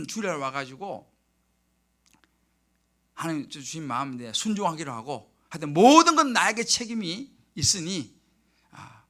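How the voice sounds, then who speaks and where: A male pastor preaching a midweek sermon, telling a personal story with lively delivery and acting out his own prayers in hushed tones. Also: high-pitched. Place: church sanctuary.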